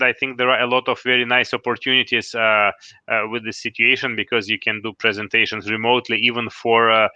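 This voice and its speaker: Bright crisp-voiced man on a call. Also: medium pitch, no echo, muffled recording. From Russia. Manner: hesitant, with many fillers. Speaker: guest speaker. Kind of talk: casual interview chat.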